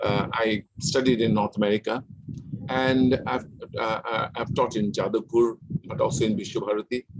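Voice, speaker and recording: With noticeable background noise behind him, a man talks at a moderate pace, his medium pitch varying in an ordinary way. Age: 70s. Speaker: professor. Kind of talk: lecture. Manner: halting, many fillers.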